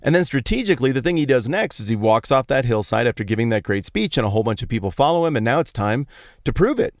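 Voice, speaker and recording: American guy doing a chatty podcast monologue, playful, clean smooth voice, pretty dry sound in a truck. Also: mid-range voice, fast talker, no echo. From Colorado, United States. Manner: playful, animated emphasis, colloquial phrasing. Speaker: podcast host. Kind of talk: casual conversational Bible talk, storytelling monologue. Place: inside a parked truck outdoors on a street.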